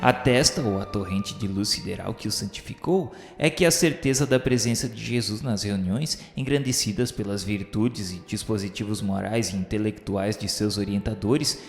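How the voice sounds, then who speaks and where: A Brazilian man narrates a radio novel with solemn, declamatory gravity. His voice is fairly low, wrapped in long, echoing hall reverb with music underneath. The delivery is formal and reverent, like scripted literary prose read aloud. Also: normal speed, gravelly, hardly any pauses.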